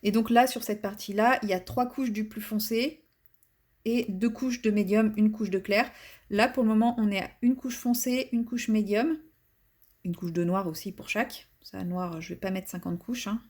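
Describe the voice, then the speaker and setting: A woman's voice: mid-range voice, fairly even intonation, moderate pace, darkish tone. Chatty woman narrating her coloring. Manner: chatty, self-mocking, rambling with fillers and restarts. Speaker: coloring channel host. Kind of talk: casual color-along commentary.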